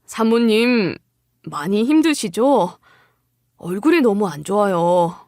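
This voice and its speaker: A caring, reassuring doctor in a narrated drama, played by a woman. The delivery is gentle and encouraging, with expressive intonation in a dry recording. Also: medium pitch, takes it slowly, no room sound. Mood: concerned. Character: caring, reassuring doctor speaking to an expectant mother.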